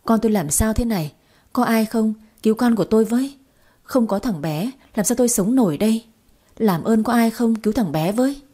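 Brief: a woman playing a poor young mother, pleading and tearful, soft warm breathy voice, audio story. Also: on the high side, expressive, fairly quick. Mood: frantic. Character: young desperate mother, poor, devoted to her son.

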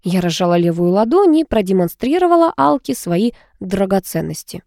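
Expressive woman narrating an audiobook. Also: mid-range voice, moderate pace, creaky, no room sound, studio quality. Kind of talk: first-person audiobook narration.

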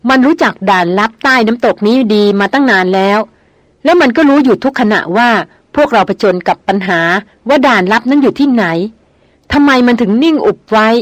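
Hot-tempered hunter, voiced by a woman narrator, angry and sarcastic, raised and a bit higher, dry close sound. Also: dry recording, natural voice. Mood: bitter. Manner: angry, sarcastic, nearly shouting. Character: gruff, hot-tempered male big-game hunter. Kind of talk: audiobook reading of a novel.

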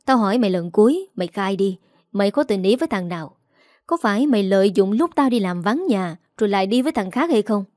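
A drunk, jealous husband sneers and hurls accusations in a spoken story, voiced by a woman reader. His tone is warm and mellow even when harsh. The sound is dry and close. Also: medium pitch, fast, no room sound, close to an everyday voice. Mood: bitter, accusing. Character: drunk jealous bullying husband, middle-aged man.

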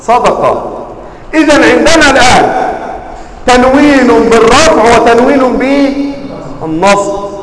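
A man with an Egyptian accent teaching a religious lesson, quizzing his listeners and stressing words with sharp rises. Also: high voice, reverberant, big-room sound, a little hiss or hum, poor audio. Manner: quizzes the audience, emphatic rising stresses. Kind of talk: classroom lesson.

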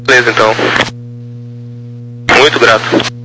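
A man's voice: mid-range voice, fairly even intonation, unhurried. A man working as an air traffic controller, talking in clipped phrases over an aviation radio. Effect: aviation radio transmission. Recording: radio link with faint hum.

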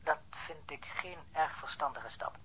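Stiff polite embassy official on the phone, sharp raspy voice, radio play. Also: male voice, fairly high pitch, exaggerated voice, poor audio. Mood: polite, disapproving. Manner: formal, measured, over-polite. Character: cautious, disapproving, formal embassy official on the telephone. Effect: telephone filter. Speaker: actor in a radio crime drama.

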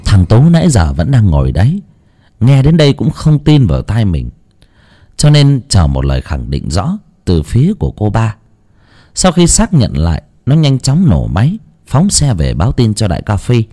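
A man's voice: fairly low pitch, warm tone. A man reading an audiobook story dramatically. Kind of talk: audiobook narration.

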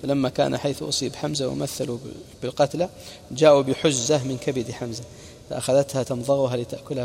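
A man's voice: mid-range voice, gravelly, a little mellow, slightly rough, big-room sound. A man preacher narrating a religious history lesson, recounting reports and quoted sayings with brief explaining asides.

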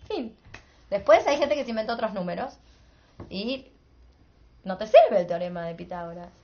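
A woman's voice: expressive, normal speed, warm tone. A woman with a Rioplatense accent teaching an informal philosophy workshop, emphatic and full of rhetorical questions. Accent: Rioplatense Spanish. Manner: emphatic, rhetorical, asks "entendés?" often. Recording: muffled low-fidelity recording.

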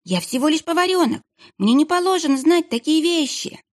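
A woman's voice: high voice, animated, a little fast, voice pushed up. A woman voicing a frightened young kitchen boy who whines and whimpers. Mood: frightened pleading. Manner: squealing, whining, tearful.

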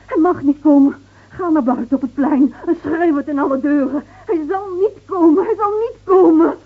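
A woman acting an anguished, desperate woman in a theatrical radio drama, pleading and shifting between outcries and breathy whispers. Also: sits high, moderate pace, close to an everyday voice. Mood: desperate outcry. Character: anguished, desperate woman dreading her beloved Manuel's return. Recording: tinny, band-limited old radio play recording.

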